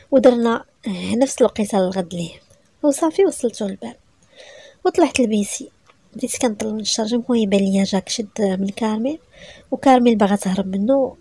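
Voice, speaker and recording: A woman storyteller with a Moroccan Arabic accent tells a first-person story at a rapid clip. Her voice is gravelly and dark with a slightly high pitch, and the sound is dry and close. She tells it in an emotional, breathless way. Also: no echo.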